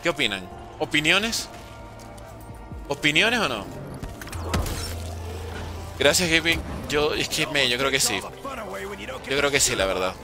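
A young man chatting jokily with his stream chat while playing, with sudden animated outbursts. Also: fairly high pitch, slow, long pauses, over music. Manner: jokey, reads and answers chat, animated outbursts. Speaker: gaming streamer.

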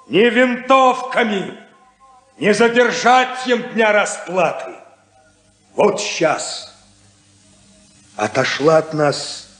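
An old worker giving a fiery funeral speech, slow, lots of echo, old radio play sound. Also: male voice, a little high, a bit bright, full character voice. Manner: rousing speech to a crowd. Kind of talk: 1950s radio drama acting. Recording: echoey old 1950s radio recording.

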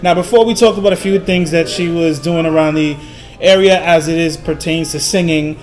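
A host running a casual interview, upbeat and prodding, often repeating "all right.". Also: female voice, lowish voice, steady tone, fairly quick, darkish tone. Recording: faint music in the background.

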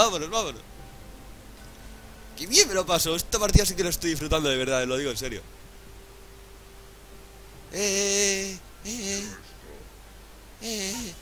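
A young man from Spain with a Spanish accent, commentating his own game excitedly, swearing and laughing often. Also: fairly high pitch, slight background noise. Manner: excitable, profane, laughs often, calls viewers "sobrinillos". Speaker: gaming YouTuber.

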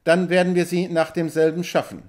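A man's voice: on the high side, little pitch movement, a little fast, darkish tone, lightly acted. A man reading as a proud, agitated tribal chief. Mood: urgent.

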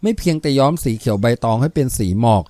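Brief: male novel narrator, mid-pitched, measured and steady, dry close-miked read. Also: no echo. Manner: measured storytelling reading.

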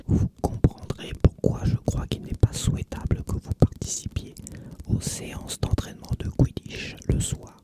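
A reader whispering the part of a strict but protective older woman professor in a storybook reading. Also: close to an everyday voice. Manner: whispered throughout.

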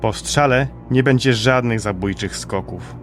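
Man playing a silky, cynical highwayman. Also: measured pace, soft background music, close to an everyday voice. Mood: calm, mocking. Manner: mocking, smooth menace. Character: cynical, silky French highwayman, cold-blooded killer. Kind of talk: dramatized audiobook acting.

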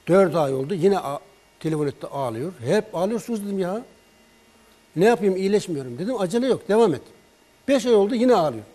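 Speaking fast-ish in a high-pitched voice, a man recounts a patient story during a broadcast. He's an herbal remedy expert and an animated storyteller who plays out the dialogue between the patient and himself.

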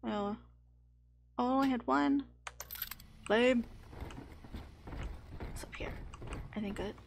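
A woman plays a video game and comments casually. Her voice is fairly high with noticeable fry, offhand and muttered, with game noise and clicking behind it. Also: slow.

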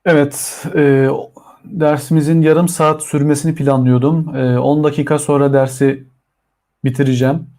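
A man with a Turkish accent teaching a live online English lesson to children, drawing out model phrases slowly. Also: a little high, level tone, warm tone.

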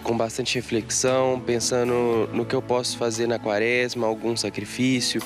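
Young man, monotone, over clear music. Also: medium pitch, normal speed. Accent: Brazilian Portuguese. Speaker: interviewed churchgoer. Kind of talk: interview answer. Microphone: handheld reporter mic.

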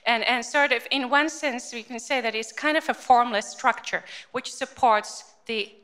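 A woman in her forties with a Finnish accent, giving a lecture into a handheld mic in a small room, pausing often with fillers and restarts. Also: on the high side, fairly bright tone. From Finland. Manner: hesitant, many fillers and restarts. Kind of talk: informal university-style lecture. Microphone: handheld microphone.

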